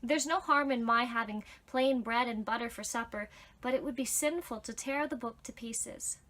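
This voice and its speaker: An earnest, poor young student from a storybook, read by a woman. The book lover speaks politely, in a fairly high voice. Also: moderate pace, fairly bright tone, slight background noise, close to an everyday voice.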